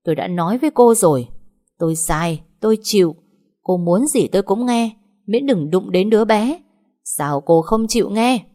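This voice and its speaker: A woman's voice: medium pitch, lively intonation, normal speed, lightly acted. Woman playing a furious husband, snarling. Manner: gritted, forceful scolding. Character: enraged husband, harsh and threatening.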